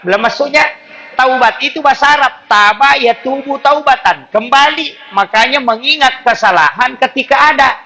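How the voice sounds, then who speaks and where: A man's voice: very high-pitched, bright, forceful tone, low-quality recording. A man preaching with a Buginese Indonesian accent, in a chatty, joking way, laughing between his points. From South Sulawesi, Indonesia. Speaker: Islamic preacher. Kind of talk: sermon. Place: recorded for a local radio station.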